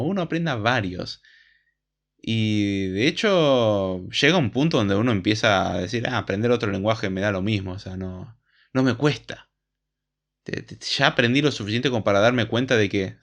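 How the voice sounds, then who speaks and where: Low-voiced Argentine man explaining casually. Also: fairly bright tone. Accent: Argentine Spanish. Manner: conversational, frank, explains with everyday comparisons. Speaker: programming educator.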